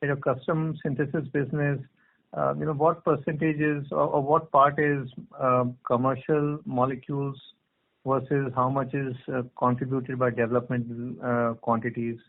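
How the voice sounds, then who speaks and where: A man's voice: medium pitch, little pitch movement, normal speed. A man with an Indian accent asking polite, tentatively phrased questions as a financial analyst on a conference call. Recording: narrow, muffled phone line.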